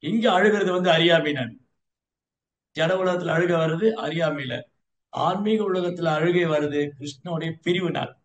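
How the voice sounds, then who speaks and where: A man's voice: fairly high pitch, normal speed, echoey room, a little hiss or hum. A man teaching as a Vaishnava lecturer in a storytelling way, slipping English words into his talk. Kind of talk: devotional lecture.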